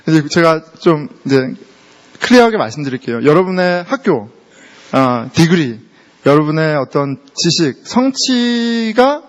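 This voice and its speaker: Middle-aged pastor guy preaching, kinda high voice, big echoey church hall, tosses english words in. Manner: conversational preaching that mixes English words into Korean, acts out family dialogue. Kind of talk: sermon. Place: church sanctuary. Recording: long hall reverb.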